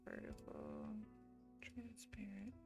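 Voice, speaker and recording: Streaming her day trades, a young Missouri woman talks casually to viewers and laughs a lot. She speaks slowly with vocal fry, and her medium-pitched voice swoops wildly, with music in the background.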